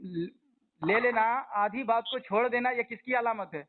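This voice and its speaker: A man's voice: extremely high pitch, moderate pace. A man leading a heated religious debate, pressing his opponent with repeated questions and interruptions. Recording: tinny phone-line audio.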